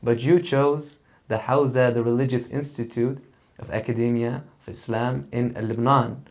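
A man's voice: medium pitch, steady tone, moderate pace, a little mellow. Young male podcast host, supportive, asks questions and affirms often at a studio desk mic. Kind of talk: interview questions. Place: small studio set with plants. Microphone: desk mic on stand.

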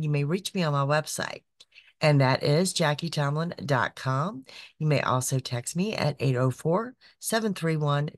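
A woman, hosting a psychic podcast, her voice raspy from being sick, chatty and repetitive. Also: low voice, no room sound, studio quality. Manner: chatty, repeats phrases, frequent "okay". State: raspy voice from illness. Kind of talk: casual monthly horoscope reading. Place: small decorated home room.

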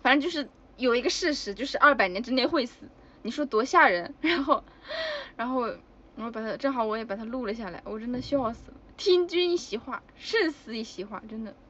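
A woman's voice: fairly high pitch, expressive, fairly quick, a bit bright, lo-fi sound. A woman chatting casually with fans on a livestream, giggly and exclamatory. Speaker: idol livestreamer. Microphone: phone.

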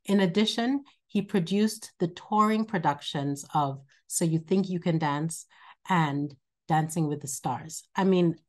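A woman welcoming students and alumni at an online event and introducing the keynote speaker, often repeating words as she talks off the cuff. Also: deep voice. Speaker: college dean hosting an alumni event. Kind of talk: welcome speech over video call.

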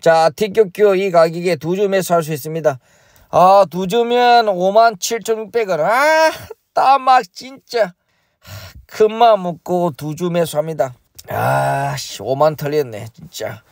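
A man's voice: high voice, moderate pace, vocal fry, darkish tone, no room sound, clean studio sound. A man hosting a comic stock vlog, groaning and complaining in an exaggerated way. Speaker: stock investing YouTuber.

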